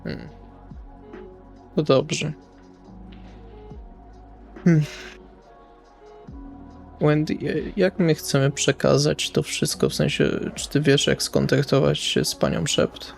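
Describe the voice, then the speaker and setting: A man's voice: fairly high pitch, animated, slow pace, gravelly, pauses often, faint music behind. A man playing in a tabletop roleplaying game, speaking casually as his character.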